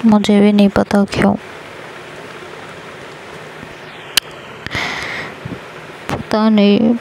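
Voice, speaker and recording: A woman storyteller voicing a tearful, gentle young daughter-in-law who keeps apologizing. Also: mid-range voice, completely flat delivery, normal speed, gravelly, slight background noise, lightly acted, poor audio. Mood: subdued.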